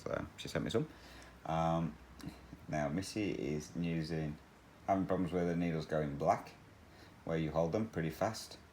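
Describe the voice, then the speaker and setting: A man's voice: a bass voice, a little slow, a little mellow, slight background noise. A man hosting a cross-stitch channel, chatting casually and rambling while he stitches, often laughing.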